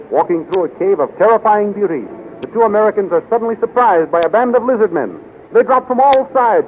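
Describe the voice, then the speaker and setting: A man narrating a 1930s radio adventure serial as announcer, in formal, dramatic scripted declamation. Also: high voice. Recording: tinny, faintly noisy 1930s radio recording.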